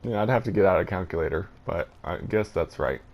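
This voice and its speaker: A man's voice: low voice, lively intonation, a little fast, darkish tone, a little hiss or hum. A man hosting a gameplay video with casual commentary, rambling a little as he thinks aloud.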